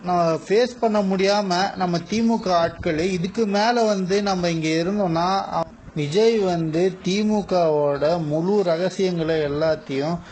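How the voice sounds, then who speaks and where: A man's voice: high voice, measured pace, darkish tone, slight background noise, rough recording. A man with a Tamil accent giving indignant, mocking news commentary in casual speech.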